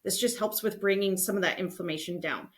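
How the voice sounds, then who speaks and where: A woman's voice: mid-range voice, a little fast. A woman hosting a podcast, explaining things to parents in a conversational, instructive and reassuring way. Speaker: podcast host.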